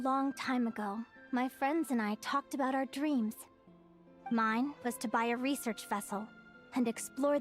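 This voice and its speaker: A woman voicing an earnest young naturalist in a video game, speaking in a halting, reflective way. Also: high voice, close to an everyday voice. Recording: game audio with faint music.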